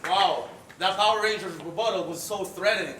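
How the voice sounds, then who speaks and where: A man from the Philippines performing battle rap, hurling rhymed insults and sometimes shouting them. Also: high-pitched, fairly quick. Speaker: battle rapper. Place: live battle venue. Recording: echoey room, noisy live audio.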